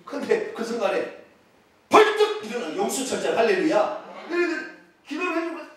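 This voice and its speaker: A man preaching a sermon as pastor, with a regional Korean accent, swinging between loud exclamations and hushed asides. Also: very high voice, moderate pace. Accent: Korean regional dialect. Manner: animated preaching with sudden loud exclamations and drops to near-whispers. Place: church sanctuary. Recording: echoey church sanctuary, from far off.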